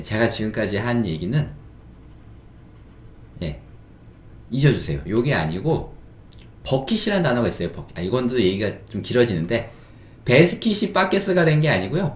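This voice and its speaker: A middle-aged man giving an English phonics lesson, drilling words slowly and patiently with questions and repetition. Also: mid-range voice, slight background noise. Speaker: English teacher. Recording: roomy echo.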